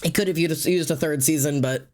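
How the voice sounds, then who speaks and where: A man's voice: a little high, brisk, darkish tone. Sniffly, chatty streamer man. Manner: chatty, greets and thanks chatters by name; loose, rambling with fillers and restarts. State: sniffly, stuffy nose. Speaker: livestream host. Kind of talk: casual live-stream chat while drawing.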